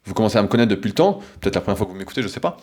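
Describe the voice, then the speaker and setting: A man's voice: on the low side, lively intonation, rapid-fire, darkish tone. A man hosting a solo podcast, talking in a rambling, hesitant way with many fillers and restarts. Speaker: podcast host.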